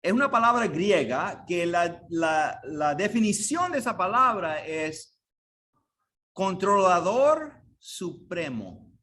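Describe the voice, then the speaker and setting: A man's voice: high-pitched, big pitch swings, unhurried, sharp tone. A man preaching an earnest sermon to a congregation in a church, pressing his point with rhetorical questions. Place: church sanctuary.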